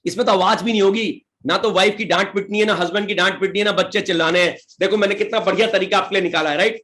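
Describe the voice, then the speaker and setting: A man with an Indian English accent giving a motivational seminar talk as a direct selling leader. He speaks slow, deliberate English, switches into rapid Hindi, and rallies his audience with questions. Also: high-pitched, steady tone, bright, forceful tone.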